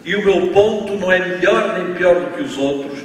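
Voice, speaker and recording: A man with a European Portuguese accent gives a university lecture, speaking slowly and stressing his points, often closing them with a quick tag question. His slightly higher voice sounds far from the mic and rings through a large, echoey hall, with faint room noise behind it. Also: fairly bright tone. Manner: deliberately slow, emphatic delivery with frequent tag questions. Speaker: guest lecturer. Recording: distant, echoey hall recording with faint ambience.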